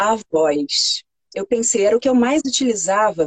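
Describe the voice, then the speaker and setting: Speaking at a fairly slow pace, a woman uses a fairly high pitch and lively intonation. The sound is dry and close, with no echo. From Rio de Janeiro, Baixada Fluminense. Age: 40s. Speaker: voice-over student, former flight attendant. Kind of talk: interview. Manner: animated.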